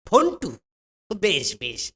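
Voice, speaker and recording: Slow, pompous cartoon guru. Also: medium pitch, wildly swooping pitch, heavily acted. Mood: pompous, commanding. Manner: pompous, ornate archaic formal speech. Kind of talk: comic cartoon voice acting. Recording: loud background music over the voice.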